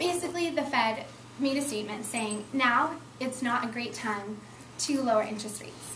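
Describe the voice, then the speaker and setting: A woman with a high pitch talks at a very fast pace, with light background noise and audible room echo. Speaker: college student. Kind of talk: classroom speech. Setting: college classroom. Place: classroom. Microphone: camera far.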